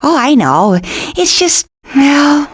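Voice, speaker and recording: A woman's voice: sits high, sing-song, takes it slowly, full character voice. A woman voicing a sweet, fretful porcupine mother in a video game, folksy and fussing, with an Upper Midwestern American accent. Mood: cheerful, reassuring. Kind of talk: animated video game character acting.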